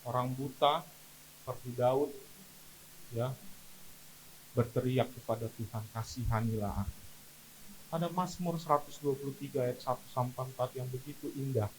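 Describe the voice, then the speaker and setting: A man's voice: medium pitch, moderate pace, long pauses, a little hiss or hum, poor audio. A man preaching a sermon as pastor at a church service, telling stories with emphatic delivery.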